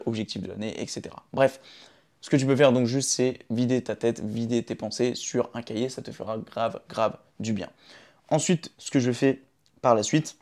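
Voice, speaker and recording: A man's voice: medium pitch, a little mellow. Chatty young man filming on his phone. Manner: chatty, often checks in with "d'accord?" and "ok?". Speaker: vlogger sharing his daily routine. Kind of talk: casual direct-to-camera advice. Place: his room indoors. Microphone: phone camera.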